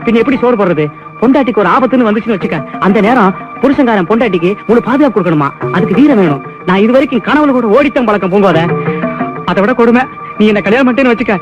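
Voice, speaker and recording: An actor playing a timid, idle village man who jokes and pities himself in wry, self-mocking banter, in a dull film recording with music behind. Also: very high-pitched. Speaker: comic lead actor. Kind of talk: 1990s film dialogue.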